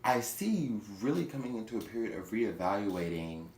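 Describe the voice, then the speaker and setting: A man giving a chatty tarot reading, with playful asides and quick self-corrections. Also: on the low side, very animated, a little mellow. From Houston, Texas. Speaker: tarot reader. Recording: echoey room with faint noise.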